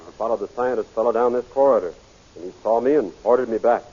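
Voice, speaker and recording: An actor playing a dutiful, deferential officer serving a villain in a 1930s radio serial. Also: male voice, medium pitch, quick pace, dark tone, slight background noise, natural voice. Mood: deferential, earnest. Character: subordinate male army officer, dutiful henchman of a villain. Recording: muffled old radio recording.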